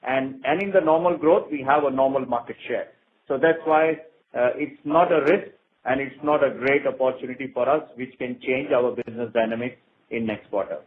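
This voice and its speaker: An Indian man, a company executive, answering investor questions on an earnings call in a deliberate, point-by-point way. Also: mid-range voice. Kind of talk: earnings call answer, unscripted business talk. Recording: narrow, noisy conference phone line.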